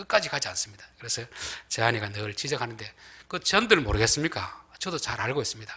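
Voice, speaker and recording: A man talks very fast in a bright, sharp tone, his pitch swinging very widely. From Gyeongsang region, South Korea. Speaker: pastor. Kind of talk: sermon.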